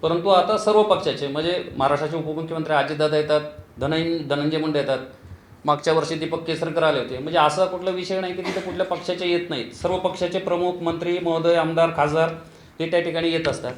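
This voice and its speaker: Guy giving a news interview, kinda high voice, lots of "uh"s, echoey room with a bit of background hum. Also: fairly even intonation. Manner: halting, with frequent "uh" fillers and long lists. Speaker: local committee president. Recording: echoey room with faint ambient noise.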